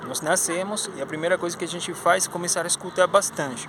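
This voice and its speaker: Against noticeable background noise, a man with a Spanish accent talks at a moderate pace in a high voice. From Spanish-speaking country. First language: Spanish (speaking Portuguese). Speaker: language teacher and YouTuber. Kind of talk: educational vlog.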